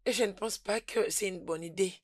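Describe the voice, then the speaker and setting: A woman dubbing a hesitant young woman who answers softly, in a French film dub. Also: mid-range voice, moderate pace, dry recording, lightly acted. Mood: reluctant. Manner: soft, hesitant.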